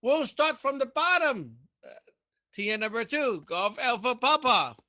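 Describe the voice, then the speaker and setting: High, bright male voice, slow and unhurried, dry and muffled call sound, leader of the net. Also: lively intonation, no room sound. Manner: unhurried, thinking aloud. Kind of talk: leading a group call.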